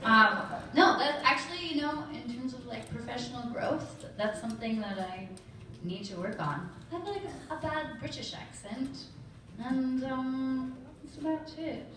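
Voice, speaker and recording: A woman's voice: sits high, expressive, a little slow. A woman, a voice actor, answering fan questions modestly, with lots of fillers and self-deprecating humor. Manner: modest, laughing, filler-heavy. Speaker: voice actor on a convention panel. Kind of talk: casual panel Q&A answers. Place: large convention hall. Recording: echoey hall, camera far from stage.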